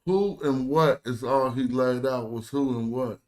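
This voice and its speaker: A man's voice: mid-range voice, measured pace, darkish tone. An American man speaking African American Vernacular English, teaching informally with loose, slangy phrasing as he hosts an online group lesson. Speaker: host and language teacher. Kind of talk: casual teaching chat in an online group call.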